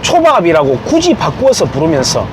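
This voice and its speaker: High-pitched, animated man. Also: normal speed, background noise. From Gyeongju, South Korea. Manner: emphatic, acts out quoted remarks. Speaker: commentator. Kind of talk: informal opinion monologue.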